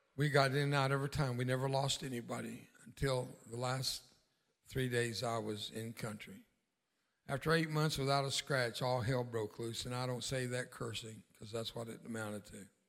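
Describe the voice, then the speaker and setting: A man with an American accent at medium pitch and a moderate pace. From US-Mexico border. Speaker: war veteran and evangelist. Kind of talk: sermon. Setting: church. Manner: animated.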